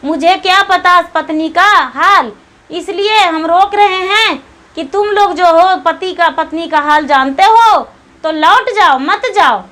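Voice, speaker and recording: An older wandering holy man, calm and chiding, who speaks slowly and patiently. A woman storyteller voices him in her own very high, bright voice. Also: heavily acted. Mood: gently chiding.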